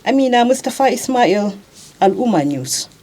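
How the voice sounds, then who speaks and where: A woman's voice: a little high, lively intonation, moderate pace, dark tone. A woman with a Nigerian accent delivers a formal, scripted news report as a correspondent. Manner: formal reading.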